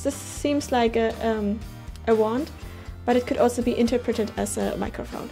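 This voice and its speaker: A woman's voice: fairly high pitch, moderate pace, gravelly, warm tone, faint music behind. A woman in her twenties presenting and interviewing casually as a show host. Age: 20s.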